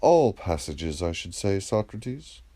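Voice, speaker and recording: A man's voice: deep voice, sing-song, slow pace, mellow, heavily acted. A man reading the part of a vain but agreeable reciter of epic poetry in a dramatised dialogue, answering with deference and assurance. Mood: agreeable, self-assured.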